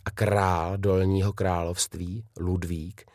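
A man's voice: lowish voice, a little mellow, no echo, clean studio sound, natural voice. A man reading a children's storybook, voicing a kind, firm young female governess who explains things emphatically. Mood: explaining.

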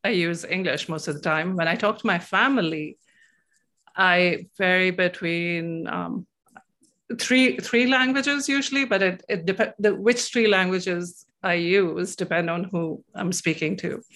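Low-pitched, thoughtful woman. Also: a bit bright. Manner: thoughtful, hesitant, with frequent pauses and repeated words. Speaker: interviewee. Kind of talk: reflective interview talk about personal experience.

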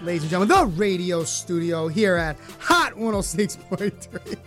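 Hoarse, high-voiced hyped radio host man. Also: sing-song, a bit bright, faint music behind. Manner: showy, joking, rapid riffing introductions. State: hoarse, losing his voice. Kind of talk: playful, hyped radio banter. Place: community radio studio. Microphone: studio microphone.

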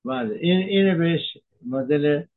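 A man, a physician from Iran, giving a measured health talk that explains medical terms, with frequent hesitations. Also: on the high side, animated, vocal fry, narrow, tinny audio.

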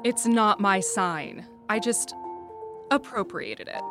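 A young female manager with an activist streak in an audio drama. She is bossy and deadpan, snapping out dry sarcasm at a middling pitch. Faint music runs behind her. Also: takes it slowly.

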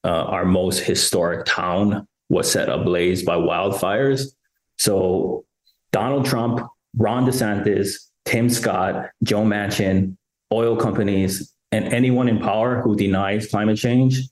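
Man from Hawaii, very deep voice, emphatic speech, roomy echoey clip. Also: steady tone. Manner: emphatic, listing with pauses. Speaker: activist interviewee. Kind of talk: impassioned speech.

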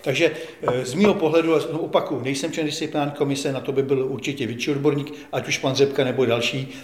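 A man's voice: mid-range voice, steady tone, reverberant. An older man, a veteran football journalist, speaking as an interview guest in an indignant, emphatic way and often repeating himself. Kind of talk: studio interview.

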